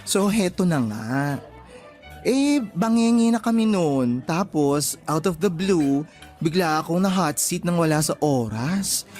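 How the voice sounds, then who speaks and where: A man's voice: fairly high pitch, expressive, unhurried, a little mellow. Casting: male actor as closeted gay best friend, young, campy, sassy, scheming; radio drama with light music bed. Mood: gossipy. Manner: campy, sassy, gossipy storytelling. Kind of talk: radio drama dialogue, colloquial Tagalog with English slang.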